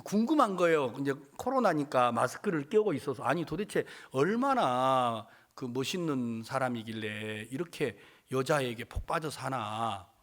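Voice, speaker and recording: A man's voice: normal speed, few pauses. A middle-aged man preaching a storytelling sermon, acting out the people in his story with big jumps in his voice. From South Korea. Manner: animated, acts out quoted voices with big pitch jumps. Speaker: pastor.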